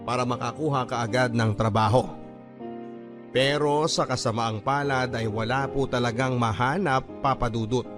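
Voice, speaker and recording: A Filipino man narrates a personal story for a radio programme in an earnest manner. His voice is mid-pitched, with clearly audible music running beneath it. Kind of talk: first-person dramatised letter narration.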